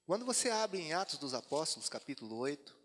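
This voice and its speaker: A man with a Brazilian Portuguese accent preaching in a slightly high voice. He moves between relaxed asides and scripture read aloud. His voice carries with a long hall reverb. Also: fast talker. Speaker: pastor. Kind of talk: sermon. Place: church retreat hall.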